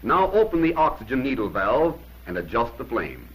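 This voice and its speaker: A man's voice: mid-range voice, big pitch swings, moderate pace, fairly bright tone, slightly rough, poor audio. A man narrating a 1950s instructional film in an emphatic, plain-spoken way, giving short commands on an old film soundtrack.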